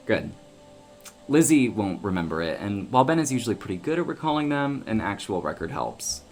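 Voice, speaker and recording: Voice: mid-range voice, big pitch swings, a little fast, darkish tone, soft background music. A woman playing an easygoing, wry friend of a small-town oracle, talking casually and breezily in an audio drama.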